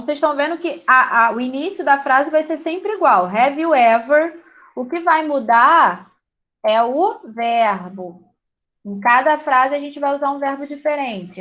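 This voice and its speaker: A woman's voice: high-pitched, a little slow, fairly bright tone, lo-fi sound. A woman English teacher giving a casual online class, chatty and encouraging, laughing easily with students.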